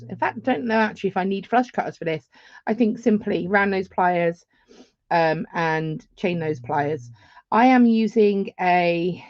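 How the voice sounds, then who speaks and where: A woman's voice: lowish voice, a little mellow, no echo, dull audio. A woman, giving a chatty live beading tutorial with rambling asides. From England.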